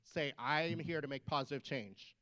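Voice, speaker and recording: Emphatic, slightly high-voiced male doctor. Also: normal speed, sharp tone. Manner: emphatic, exhorting the audience. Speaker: physician speaker. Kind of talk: rally speech. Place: state capitol building.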